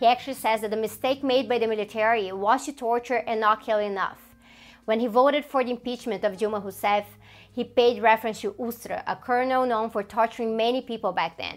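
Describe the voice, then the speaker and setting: Music plays in the background as a woman speaks with a Portuguese accent. Her fairly high pitch keeps fairly even intonation at a fairly quick pace. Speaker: YouTuber and sociologist. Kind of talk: video monologue.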